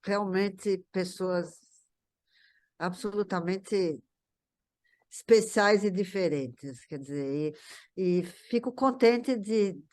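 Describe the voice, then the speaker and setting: A woman with a Brazilian Portuguese accent, a guest reminiscing casually, halting and repeating words for emphasis. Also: medium pitch, darkish tone. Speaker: guest, daughter of the honoree. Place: online video call.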